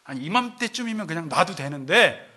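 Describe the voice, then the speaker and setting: 교회에서 설교하는 남성 목사로, 인용하는 말투를 연기하듯 흉내 내며 생동감 있게 말한다. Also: male voice, on the high side, fairly quick. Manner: animated preaching, acts out quoted voices. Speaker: pastor. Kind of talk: sermon. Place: church sanctuary.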